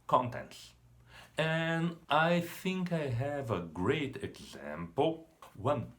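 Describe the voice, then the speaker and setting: Unhurried Brazilian man teaching literature. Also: mid-range voice. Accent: Brazilian Portuguese. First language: Portuguese. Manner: unhurried, measured, explanatory. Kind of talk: literature lesson to camera.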